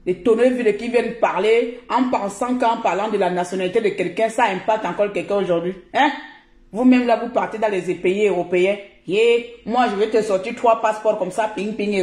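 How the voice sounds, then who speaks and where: A woman's voice: mid-range voice, fairly quick, a little mellow, roomy sound. A woman from Cameroon with a Cameroonian French accent, giving blunt, mocking live commentary as a streamer.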